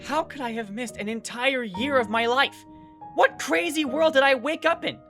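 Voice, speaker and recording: An actress playing a bewildered, exasperated kid, telling the story in dramatic first person in an audio drama. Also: female voice, sits high, moderate pace, a bit bright, soft background music. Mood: brooding, narrating. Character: bewildered, exasperated young kid narrating an apocalypse ordeal.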